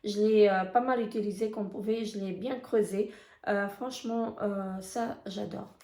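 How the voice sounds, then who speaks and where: A woman with a hoarse voice giving a casual beauty product review, talking in a halting way full of hesitations. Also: mid-range voice, steady tone, background noise. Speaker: beauty vlogger. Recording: echoey room.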